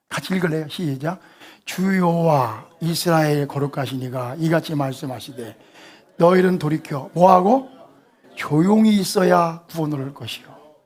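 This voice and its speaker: A man preaching a sermon to a congregation, quizzing them call-and-response style and swinging from loud emphatic lines to hushed whispers. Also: fairly high pitch. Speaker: pastor.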